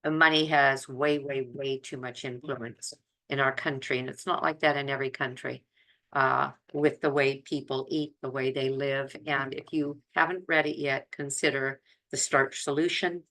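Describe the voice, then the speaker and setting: Older woman, very low bright voice. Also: fairly even intonation, moderate pace, rough recording. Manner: earnest, emphatic, repeats words for stress. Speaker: health vlogger. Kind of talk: casual, chatty talk to viewers.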